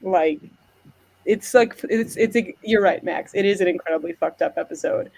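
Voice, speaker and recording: A woman's voice: on the low side, normal speed, creaky, darkish tone. An American woman hosting a casual chat, rambling with many fillers. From United States. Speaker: podcast host.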